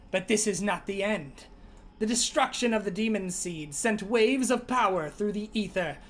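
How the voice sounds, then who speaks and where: A man doing a high-pitched solemn quest giver.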